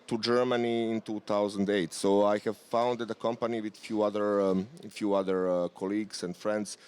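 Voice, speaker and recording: A man's voice: on the low side, flat delivery, normal speed, a little mellow, smooth. A man in his forties from Bosnia, speaking English with a Bosnian accent as a conference guest, hesitant with frequent fillers. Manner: hesitant, many "uh" fillers and restarts. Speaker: conference guest, software company representative. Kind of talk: casual conference interview. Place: conference venue.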